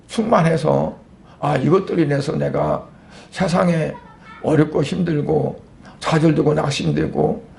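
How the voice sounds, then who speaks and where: A man, a pastor, preaching a Sunday sermon in a conversational way, asking rhetorical questions and pausing on fillers. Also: fairly high pitch, gravelly, a little mellow.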